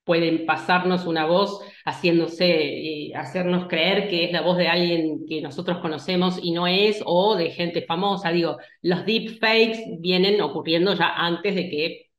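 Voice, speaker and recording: A woman's voice: lowish voice, fairly even intonation, a little slow, few pauses. Woman lecturing, roomy sound. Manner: hesitant, many restarts and fillers, asks "¿sí?". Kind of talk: online lecture.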